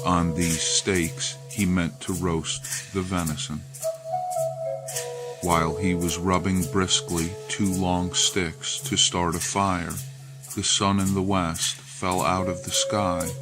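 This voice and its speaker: Male narrator, deep voice, unhurried deliberate storybook reading, loud music behind. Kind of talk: scripted storybook narration of a legend.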